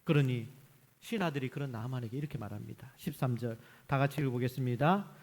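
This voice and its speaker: A man's voice: medium pitch, fast talker, a little mellow, slightly rough, big-room sound. A male senior pastor preaching a Sunday sermon in a church, emphatic and full of rhetorical questions to the congregation. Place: church sanctuary.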